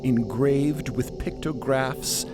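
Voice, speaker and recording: A man narrating scripted audio drama in a theatrical, deliberate manner. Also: mid-range voice, fairly even intonation, heavy background noise.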